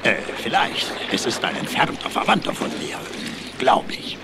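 A man's voice: medium pitch, very animated, normal speed, vocal fry. A man voicing a fat, ponderous walrus in a cartoon radio play, grumbling and hesitant. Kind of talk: animated film radio play dialogue. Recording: loud noisy background.

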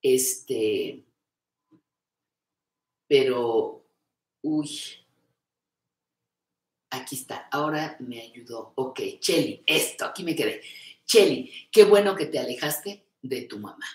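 An older woman with a very deep, lively voice speaks slowly and pauses often. She hosts a creative-aging live stream in an echoey room, reading viewers' comments and answering with warmth and encouragement, calling them "reina."

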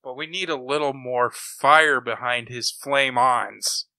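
A man co-hosting a podcast, chatting casually in an animated, opinionated way. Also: medium pitch, slow, no echo, poor audio. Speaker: podcast co-host. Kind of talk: casual chat about comic books and old radio shows.

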